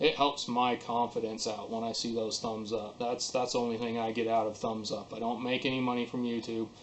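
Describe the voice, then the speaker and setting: Mumbling at a fairly quick pace, a man speaks at a medium pitch with monotone, flat intonation. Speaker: hobbyist DIY YouTuber. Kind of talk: casual direct-to-camera talk.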